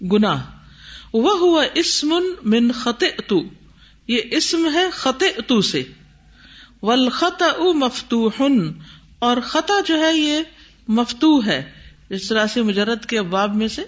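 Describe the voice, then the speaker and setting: A man teaching a vocabulary lesson in a high, very animated voice that rises and falls. He reads each term out slowly, then explains it and checks understanding with quick questions. The recording sounds dull and lo-fi. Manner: explains word by word, asks the class questions; reads Arabic terms slowly and deliberately. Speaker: Quran teacher. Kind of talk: classroom lesson on Arabic vocabulary.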